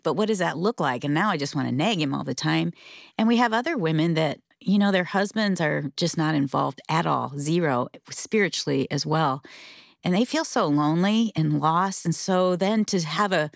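A middle-aged woman co-hosts a faith-based marriage radio show, speaking earnestly, heartfelt and candid as she opens up about her feelings. Her voice is low-pitched and creaky, captured in a dry, clean studio recording.

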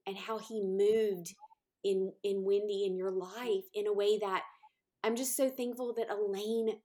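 A woman's voice: mid-range voice, fairly even intonation, unhurried, warm tone. Heartfelt woman host encouraging listeners. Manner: heartfelt, repetitive phrasing, many fillers. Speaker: podcast host. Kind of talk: encouraging podcast talk.

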